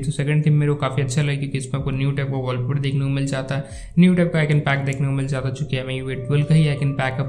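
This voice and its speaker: A slightly hoarse young man giving a casual, rambling voice-over review of phone themes for his tech channel. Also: medium pitch, a little mellow. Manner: rambling, filler-heavy casual talk. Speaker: tech YouTuber.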